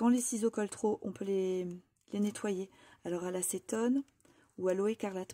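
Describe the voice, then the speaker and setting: A woman speaks at a medium pitch and moderate pace, with a dark, mellow tone and long, frequent pauses. The sound is dry and close, with no echo. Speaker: crafting youtuber. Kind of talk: tutorial.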